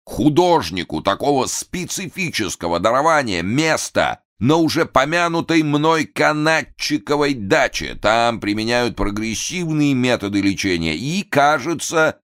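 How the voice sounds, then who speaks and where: A man's voice: mid-range voice, a bit bright, voice pushed up. A man voicing a grand, scornful theatre director who declaims pompously.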